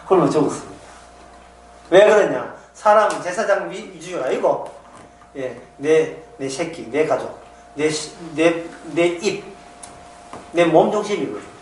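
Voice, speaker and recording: A man's voice: high voice, recorded from a distance. A man with a Gyeongsang Korean accent preaching a sermon, asking rhetorical questions and slipping into dialect asides. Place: church hall. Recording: roomy hall, speaker off-mic.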